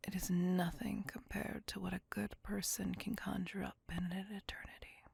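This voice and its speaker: A woman voicing a tormented, possessive female vampire centuries old, whispering slowly and intimately into a close microphone in an ASMR roleplay. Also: medium pitch, level tone, creaky, a little mellow, husky, no room sound, full character voice. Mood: brooding menace. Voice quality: whispered throughout. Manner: slow, brooding, intimate.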